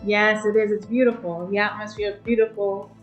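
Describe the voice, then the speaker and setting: Woman religious sister, gentle and hesitant speech, middle pitch, echoey room sound. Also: level tone, fairly quick, dull audio, faint music behind. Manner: gentle, hesitant, with many ums and restarts. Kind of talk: casual interview answers.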